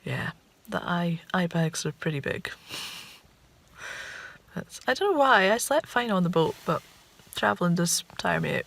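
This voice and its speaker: A woman's voice: lowish voice, expressive, a little slow, gravelly, fairly bright tone. A woman with a Shetland Scots accent chatting casually to a vlog in a wry, understated, rambling way. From Shetland, Scotland. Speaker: vlogger.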